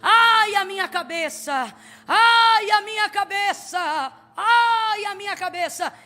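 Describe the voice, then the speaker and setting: Woman acting a boy in pain, high, wailing, repeated cries. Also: little pitch movement, normal speed, sharp tone, big-room sound, faint music behind, heavily acted. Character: young boy crying out in pain.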